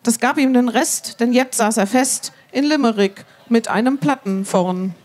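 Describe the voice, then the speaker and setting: A woman from Cologne co-presenting a limerick reading, making brisk remarks and reading verses aloud. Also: fairly high pitch, darkish tone. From Cologne, Germany.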